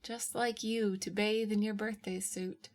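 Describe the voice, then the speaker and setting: Woman voicing a slow, laconic male radio therapist. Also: mid-range voice, steady tone, lightly acted. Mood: wry.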